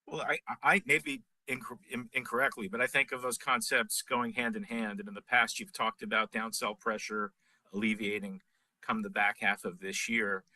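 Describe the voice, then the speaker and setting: A male financial analyst puts questions on an earnings call. His voice is very bright and sharp, in a dry acoustic. His phrasing is halting, with small stammered restarts. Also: lowish voice, little pitch movement, dry recording, poor audio.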